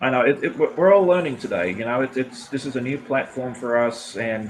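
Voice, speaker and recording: Amid noticeable background noise, a man with an Australian accent talks at a fairly quick pace in a medium pitch with lively intonation. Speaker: sewing and quilting YouTuber. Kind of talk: casual live-stream interview. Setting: online live stream video call. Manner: hesitant, many fillers.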